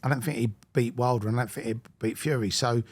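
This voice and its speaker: A man chatting casually as a sports interviewer, starting his sentences haltingly with repeated words. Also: medium pitch, fairly even intonation, no echo.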